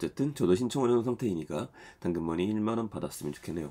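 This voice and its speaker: Against a quiet background, a man with a fairly low pitch and a dark, mellow tone talks at a very fast pace with lively intonation. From South Korea. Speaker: tech news host. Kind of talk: solo tech news briefing. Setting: screen-share video. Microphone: earbuds.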